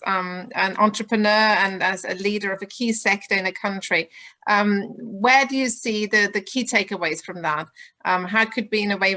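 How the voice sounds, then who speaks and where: A woman moderating a panel over a video call, polite and measured, with a slightly croaky voice. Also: mid-range voice, sharp tone. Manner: polite, measured, filler-heavy questions.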